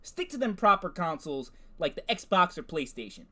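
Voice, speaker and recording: A man's voice: sing-song, normal speed, full character voice. A man putting on a grumpy backwoods hillbilly voice, ranting in a folksy drawl. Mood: grumbling. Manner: folksy drawling rant, high and loud. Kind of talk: comedic reading of a chatbot's text.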